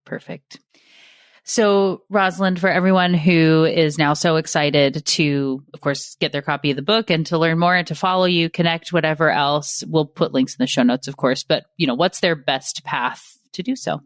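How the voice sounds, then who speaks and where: A woman's voice: sits low, fairly even intonation, normal speed, no echo, studio quality. A woman hosting a podcast, upbeat and encouraging, closing the show with a scripted wrap-up. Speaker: podcast host.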